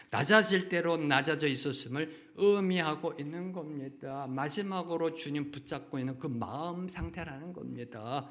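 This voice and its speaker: A middle-aged man preaching a sermon as pastor, often affirming with short fillers and asking the congregation questions, now and then acting out quoted voices. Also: on the high side. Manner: acts out brief quoted voices, at times shouting.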